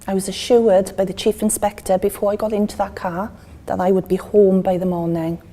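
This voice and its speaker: Welsh woman in her fifties, warm. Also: mid-range voice, little pitch movement, brisk. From Wales. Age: 50s. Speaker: interviewee. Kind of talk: documentary interview.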